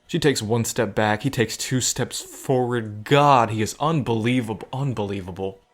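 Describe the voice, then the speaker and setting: A man's voice: mid-range voice, moderate pace, natural voice. A man playing an earnest, protective gambler in an audio drama, with a sincere, slightly awkward manner. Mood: agitated.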